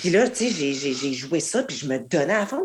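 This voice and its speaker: A woman with a Lac-Saint-Jean accent speaks at a moderate pace. Her voice has vocal fry and very wide pitch swings. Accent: Lac-Saint-Jean Quebec French. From Quebec, Lac-Saint-Jean. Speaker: actress. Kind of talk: casual interview chat.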